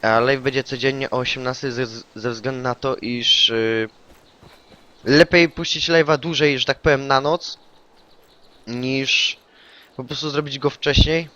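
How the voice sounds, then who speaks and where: Male streamer, casual gaming chatter, loud bursts on kills, mid-pitch, lo-fi stream mic. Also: measured pace. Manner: excitable, swears, yells taunts in English on kills. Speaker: game streamer. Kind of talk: casual gaming chat with a teammate.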